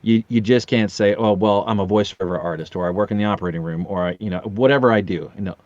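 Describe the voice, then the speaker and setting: A man's voice: fairly low pitch, fast, darkish tone. A middle-aged man chatting casually as a podcast guest, telling personal anecdotes in an earnest, joking way. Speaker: podcast guest, voiceover artist. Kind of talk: casual conversational storytelling. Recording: roomy, slightly dull lo-fi connection.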